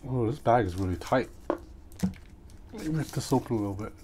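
A man talks through a gadget unboxing in a casual, unscripted way, thinking aloud. His pitch is average for a man. He is recorded in a small room with faint noise from outside. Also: expressive, brisk, dark tone. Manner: informal, off-the-cuff, thinking aloud. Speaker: gadget reviewer. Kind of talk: casual unboxing vlog, hands-on commentary. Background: ambient street noise from outside.

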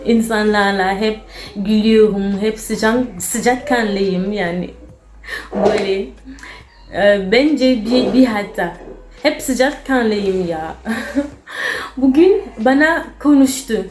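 Young Cameroonian woman, halting foreigner's broken Turkish. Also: medium pitch, darkish tone. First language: not Turkish, a foreign learner. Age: young adult. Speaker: vlogger. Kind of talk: casual storytelling to camera. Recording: roomy echo, faint music.

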